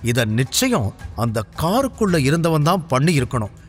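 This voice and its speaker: An exasperated young husband pushes back, firm and sarcastic, his voice swinging widely, as a man puts him on. The talk is quick and pressing in this audio drama. Faint music runs behind him. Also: fairly high pitch, big pitch swings, pitched below the performer's own voice. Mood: firm, irritated. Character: irritated young husband defending himself.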